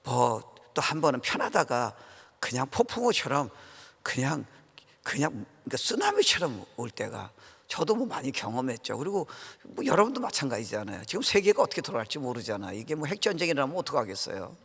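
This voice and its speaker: A man's voice: medium pitch, very animated, a little fast, vocal fry, fairly bright tone, slightly rough. A middle-aged man preaching a conversational revival sermon as a guest pastor, informal and earnest, often putting questions to the congregation. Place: large church sanctuary, preaching to a congregation. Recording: reverberant church hall sound.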